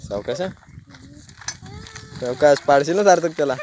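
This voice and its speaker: A man's voice: on the high side, normal speed. A man with a Konkan Marathi accent narrating a casual outdoor village vlog, calling out to children as he films. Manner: lively, calling out to children while addressing viewers. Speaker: village vlogger. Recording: outdoor background noise.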